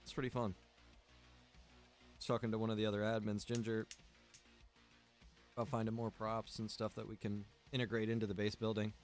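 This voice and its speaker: Male game streamer, lowish pitch, chatty and laid-back delivery straight to the audience, over background music. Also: flat delivery, brisk, pauses often. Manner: easygoing, chatty, addressing viewers directly. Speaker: game streamer and server admin. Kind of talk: casual live gameplay stream chat.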